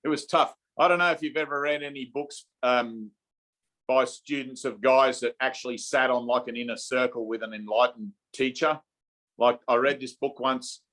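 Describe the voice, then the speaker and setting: A man gives a relaxed spiritual talk over a video call, his voice pitched in an ordinary middle range. He talks informally and keeps checking in with his listeners. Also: normal speed. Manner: informal, repeats "okay?" and "right?" to check in. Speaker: spiritual teacher leading a satsang.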